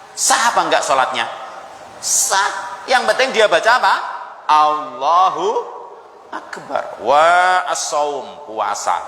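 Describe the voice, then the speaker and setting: A man preaching in a mosque, lively and quizzing the congregation with rhetorical questions. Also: mid-range voice, a little hiss or hum. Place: mosque hall. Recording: echoey reverberant mosque hall.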